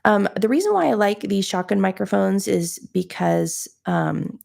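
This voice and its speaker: A soft-spoken woman in her home studio, explaining her audio setup in a conversational, explanatory way. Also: medium pitch, expressive, measured pace, gravelly. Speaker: audio gear reviewer. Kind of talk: livestream gear demo. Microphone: changing between studio mics.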